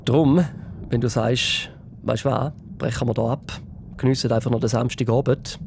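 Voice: medium pitch, fairly even intonation, normal speed, darkish tone, slight background noise. A quiz host with a Swiss German accent, upbeat and encouraging on a children's radio quiz.

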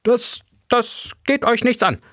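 A man voicing a small, bald, jittery male museum guide who stammers and bursts into high, panicky cries. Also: slow pace, fairly bright tone, no echo, clean studio sound, full character voice. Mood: secretive.

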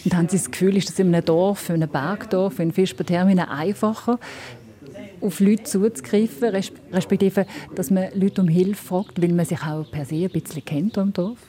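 Female Swiss German radio host, mellow low voice, probing interviewer. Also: steady tone, moderate pace. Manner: probing, asks layered questions.

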